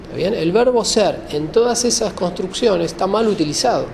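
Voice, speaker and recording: High-pitched, creaky-voiced man lecturing. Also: lively intonation, moderate pace, a little mellow, slight background noise. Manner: didactic, rephrases and checks understanding. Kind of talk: explanatory lecture to an audience.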